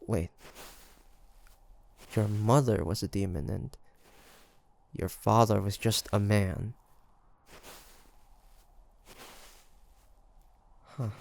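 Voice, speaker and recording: A man's voice: lowish voice, slow, gravelly, long pauses, darkish tone, heavily acted. A man playing a curious, teasing demon hunter in an audio roleplay, talking to the listener in a hesitant, conversational way. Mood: hesitant, puzzled. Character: male demon hunter traveler, curious, teasing, softly tsundere. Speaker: voice actor.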